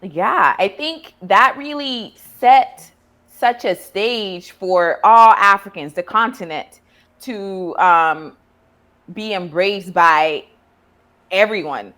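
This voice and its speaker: A woman's voice: mid-range voice, slow, pushed and bright. A woman from Ghana hosting a casual interview as a therapist, asking friendly questions and laughing easily. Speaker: therapist and podcast host.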